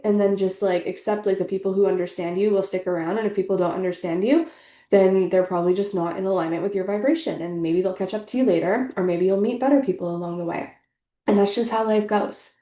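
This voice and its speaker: A woman's voice: mid-range voice, warm tone, echoey room. A young woman with a stuffy, congested voice, chatting casually and earnestly through a tarot reading, full of fillers. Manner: chatty, filler-heavy, earnest spiritual talk. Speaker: tarot reader.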